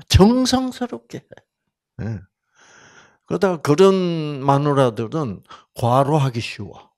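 A man with a Gyeongsang accent giving a health lecture, drawing out his words and sometimes dropping to a whisper. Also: mid-range voice. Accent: Gyeongsang Korean. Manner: drawn-out, dropping to a whisper at times.

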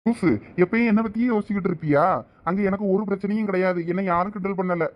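An actor plays an affectionate young husband in a family comedy-drama, coaxing and teasing. His voice sits high for a man and he talks fast. The recording is dull and lo-fi. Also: steady tone, close to an everyday voice. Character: caring young husband, a supervisor. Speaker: actor in a village family skit. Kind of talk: village comedy-drama acting.

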